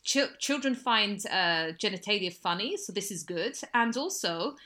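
A woman from England co-hosting a casual chat show, telling stories in a lively, animated way with sudden high bursts. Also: moderate pace. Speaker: podcast co-host.

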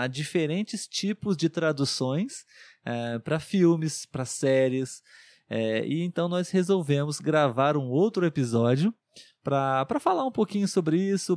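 A man hosting a language-learning podcast, speaking in a clear, measured, encouraging way and often checking in with his guest. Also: a little high, darkish tone, no echo, studio quality. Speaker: podcast host.

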